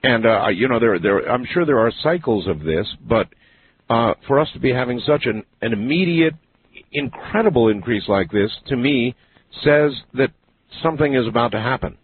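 A man hosting a late-night call-in radio show, speaking with a smooth radio host delivery. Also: mid-range voice, animated, moderate pace. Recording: phone-like lo-fi broadcast with faint hiss.

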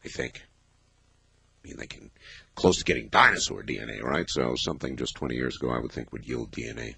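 A man of fifty hosting a late-night call-in radio show, talking in a thoughtful, measured way with many pauses and fillers. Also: extremely low pitch, vocal fry, sharp tone, breathy edge, no room sound. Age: 50s. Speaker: radio talk show host.

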